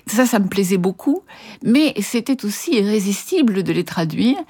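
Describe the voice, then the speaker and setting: A woman translator answering interview questions with articulate, lively storytelling and some hesitations. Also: medium pitch, normal speed, slightly rough. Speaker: literary translator guest.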